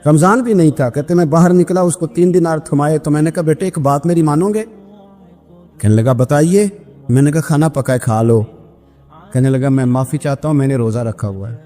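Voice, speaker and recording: A man preaching a sermon, telling stories and acting out the voices of the people in them, rising to loud emphatic peaks. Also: a little high. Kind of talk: sermon storytelling. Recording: long hall reverb with faint music.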